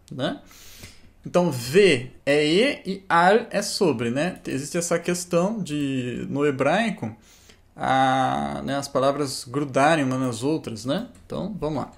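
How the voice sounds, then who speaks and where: Guy teaching hebrew online, slow and patient, keeps saying né and tá. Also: on the high side. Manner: slow and explanatory, tags lines with "né?" and "tá?". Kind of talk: online lesson explaining a Bible verse word by word.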